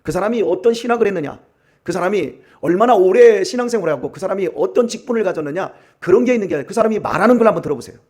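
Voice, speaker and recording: A male pastor giving an early-morning sermon, emphatic, swinging between loud and hushed. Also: sits high, lively intonation, racing. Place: church.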